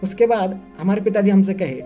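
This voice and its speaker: A man's voice: high-pitched, a little fast, highs cut off, soft background music, close to an everyday voice. A young man, playing a shy, earnest engineering student from a village in a scripted monologue. He talks hesitantly, with many fillers and wry self-mockery. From Uttar Pradesh, India. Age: young adult.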